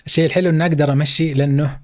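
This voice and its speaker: A man's voice: a little high, steady tone, rapid-fire, no echo, studio quality. A man with a Saudi Arabic accent hosting a live esports watch-along stream, hyping it up and chatting playfully with his viewers.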